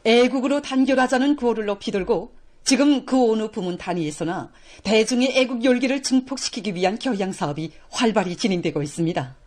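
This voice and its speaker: A woman's voice: fairly high pitch, expressive, a little fast, darkish tone. A woman with a North Korean accent reads formal scripted television news in a solemn, reverent, declamatory manner.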